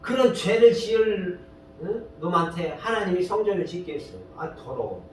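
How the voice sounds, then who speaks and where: A man preaches in a large church hall, his fairly high voice bouncing around the room from some distance off the mic. He talks in a loose, storytelling way and keeps throwing questions at the congregation. A faint rumble hums underneath. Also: normal speed. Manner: fires rhetorical questions and prods listeners with "eh?". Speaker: pastor. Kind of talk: sermon.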